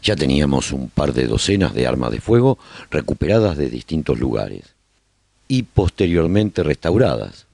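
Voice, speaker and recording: A man narrating a radio drama as a survivor chronicling life in his colony, with measured, expressive storytelling. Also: extremely low pitch, gravelly, husky, no echo, heavily acted. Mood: reflective storytelling. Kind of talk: scripted first-person narration, radio drama.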